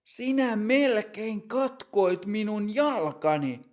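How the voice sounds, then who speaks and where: A man's voice: sits high, lively intonation, voice pushed up. A man doing an indignant young footballer. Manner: shouting, indignant complaints. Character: upset young male amateur footballer.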